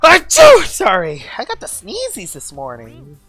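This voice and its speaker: A woman game streamer talking excitedly in a casual live-stream chat, gushing and chatty. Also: medium pitch, normal speed, soft background music.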